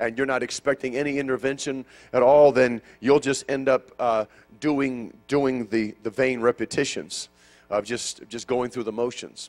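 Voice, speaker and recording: Faint music plays in the background as a man speaks at a moderate pace in a monotone, flat way. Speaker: preacher. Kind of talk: sermon. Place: church. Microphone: handheld.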